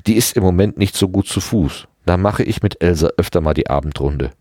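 A man reading aloud and voicing a gentle, apologetic young woman in a raised voice. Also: sits low, fairly quick, no room sound, studio quality.

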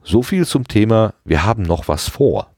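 A man reading aloud and voicing a teasing young woman in a raised, lively voice. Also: on the low side, moderate pace, no echo, studio quality, voice pushed up. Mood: teasing, amused. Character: young woman, hotheaded, combative teen girl.

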